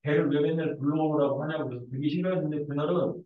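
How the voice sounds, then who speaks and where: A man teaching math in a classroom, mixing the lecture with lively, joking stories. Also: a little high, quick pace. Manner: animated, joking storyteller. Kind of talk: lecture mixed with casual anecdotes. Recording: echoey room, distant dull mic.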